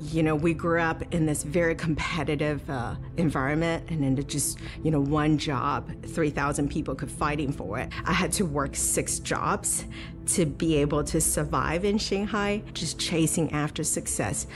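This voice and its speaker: A woman from China, in her forties, telling her life story in a studio, pausing often with fillers. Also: sits low. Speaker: testimony speaker. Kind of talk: personal testimony. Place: bright studio. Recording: soft music underneath.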